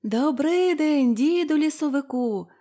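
A woman's voice: high voice, expressive, measured pace, dark tone, pitched above the performer's own voice. A woman voicing a group of playful young forest nymph girls in a storybook reading, calling out merrily together. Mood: merry.

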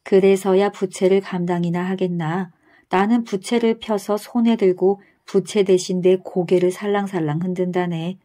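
A woman's voice: mid-range voice, fairly even intonation, moderate pace, dark tone, natural voice. A woman voicing a dismissive, stingy male miser from a folktale, speaking in an old-fashioned way. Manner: dismissive, tongue-clicking old-fashioned speech.

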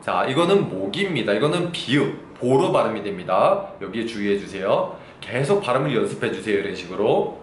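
A male Chinese teacher whose first language is Korean, giving a slow pronunciation lesson and repeating sample syllables several times each. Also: lowish voice, big pitch swings. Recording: echoey room with faint background noise.

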